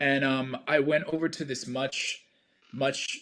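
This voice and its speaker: This man has an unremarkable speaking voice at medium pitch. He talks at a fairly slow pace. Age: 30s. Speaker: film director and actor. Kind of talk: casual interview.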